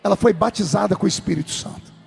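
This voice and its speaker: A male pastor telling a comic personal story in a sermon, animated and lively, in a large church hall. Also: sits high, quick pace, creaky, breathy edge. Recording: long hall reverb.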